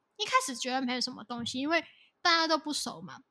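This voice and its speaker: A woman speaks in a raised, projected voice with a high pitch. Her intonation is lively and her tone bright and sharp. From Hong Kong. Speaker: startup founder, podcast co-host. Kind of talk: casual chat.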